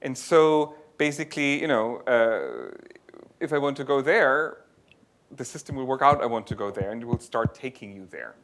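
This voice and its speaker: Bright-voiced man giving a tech talk. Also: mid-range voice, very animated, normal speed. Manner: explanatory, thinks aloud with restarts. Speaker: conference speaker. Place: lecture venue.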